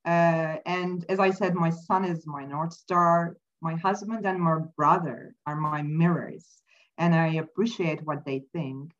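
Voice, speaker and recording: A woman whose first language is not English, speaking as an interview guest, thoughtful and halting with many fillers. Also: sits low, steady tone, lo-fi sound. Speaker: podcast guest. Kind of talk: casual interview talk. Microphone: remote call mic.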